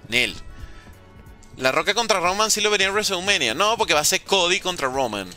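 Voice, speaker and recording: Bright, lively streamer. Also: male voice, sits high, brisk. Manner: joking, reads out viewer questions and replies. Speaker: gaming streamer. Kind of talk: casual live-stream chat while playing. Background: faint background music.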